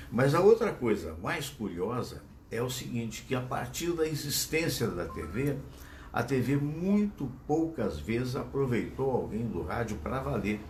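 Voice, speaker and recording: A man's voice: on the low side, a little hiss or hum. A man with a Brazilian Portuguese accent hosting a live show, chatting in a digressive way and speaking straight to his audience, talking into a phone that he uses as a microphone. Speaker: host. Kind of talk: casual live show commentary. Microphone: phone used as microphone.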